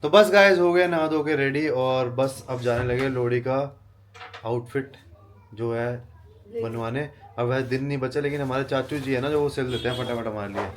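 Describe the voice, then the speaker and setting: A man's voice: medium pitch, normal speed, slight background noise. A man co-hosting a casual vlog, chatting loosely with his viewers. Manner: relaxed, chatty, addresses viewers as guys. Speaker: vlogger. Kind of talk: casual vlog chat to camera.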